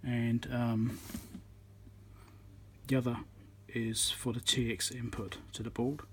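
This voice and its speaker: A man, an electronics repairer and channel host, casually narrates a hands-on repair demonstration at an indoor electronics workbench in a mid-pitched, flat voice. He speaks haltingly, half muttering to himself as he concentrates. A phone on a tripod above the work captures him, with faint room noise making it a noisy recording.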